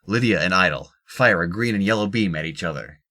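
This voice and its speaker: Deep-voiced man narrating. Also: lively intonation, a little fast, pushed and bright. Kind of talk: scripted audio drama narration.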